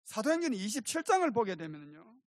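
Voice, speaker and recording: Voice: medium pitch, very animated, a little fast, no echo, studio quality. A pastor preaching a sermon emphatically, calling for amens and speaking directly to the congregation. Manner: emphatic preaching with calls for amen.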